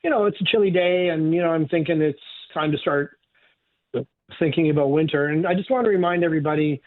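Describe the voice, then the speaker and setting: A man, a veterinarian guest, hoarse from a cold, giving chatty advice with loose fillers over the phone. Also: fairly high pitch, quick pace. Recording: phone line.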